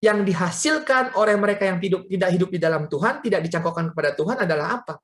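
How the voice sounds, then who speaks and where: A woman's voice: lowish voice, fast talker. Woman preaching a storytelling sermon. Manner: storytelling, addressing listeners as friends. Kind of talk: sermon at a prayer meeting.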